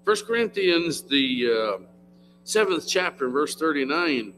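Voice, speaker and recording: Folksy older American preacher, slow-paced. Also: male voice, on the high side, sing-song, a bit bright, faint music behind, low-quality recording. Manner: folksy, plain-spoken, asks the listeners questions. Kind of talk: sermon to a congregation. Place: church, in front of a congregation.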